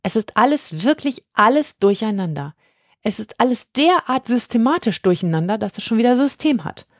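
Befana, a woman doing a high eccentric witch. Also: big pitch swings, normal speed, no room sound, clean studio sound. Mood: chatty. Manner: exaggerated courtly phrasing, high squeaky swoops. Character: eccentric female Christmas witch, theatrically polite.

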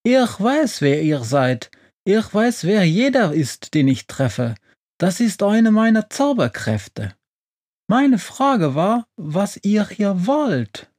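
A narrator voicing a young, rude storybook witch who snaps at everyone, in a high, sharp voice. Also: very animated, slow pace. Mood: snappish. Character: young grumpy rude witch, crying inside. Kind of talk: storybook reading.

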